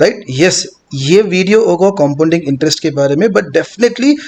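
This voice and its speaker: Here a man speaks in a high pitch with lively intonation. His pace is moderate. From South India. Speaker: stock trading educator. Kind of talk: tutorial. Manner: casual Hindi-English code-switching.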